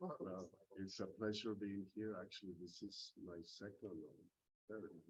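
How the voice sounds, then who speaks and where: A soft-spoken, somewhat breathy man, fairly low in pitch, fairly even in intonation, at a fairly slow pace. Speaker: architect and teacher. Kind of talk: panel discussion. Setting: roundtable with audience.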